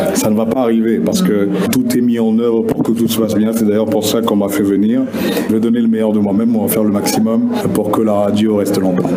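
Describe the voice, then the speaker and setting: Speaking at a very fast pace with monotone, flat intonation, a man is heard amid noticeable background noise and audible room echo. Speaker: radio host. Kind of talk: interview.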